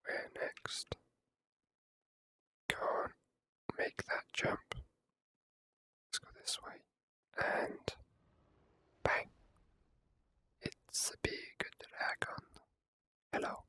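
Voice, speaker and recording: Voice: extremely slow, long pauses. Whispering ASMR gamer. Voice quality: soft unvoiced whisper. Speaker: gaming video creator. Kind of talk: ASMR whispered game commentary.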